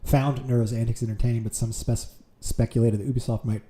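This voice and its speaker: A man's voice: medium pitch, flat delivery, fast, warm tone. A man streaming from home, reading aloud with amused reactions, with keyboard clicks nearby. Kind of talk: casual streaming commentary.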